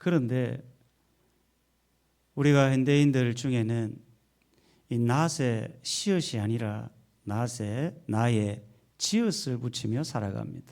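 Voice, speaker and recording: Speech comes at a very slow pace with long, frequent pauses and audible room echo. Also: man, medium pitch for a man, ordinary pitch variation. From South Korea, Gyeongsang region. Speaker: pastor. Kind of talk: sermon. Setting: church.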